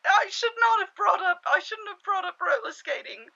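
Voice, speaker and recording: A woman voicing a plucky, self-effacing young scavenger in a conversational cartoon spoof, flustered and halting as she plays things down, on slightly muffled audio. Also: very high voice, animated, vocal fry, sharp tone, exaggerated voice. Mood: regretful.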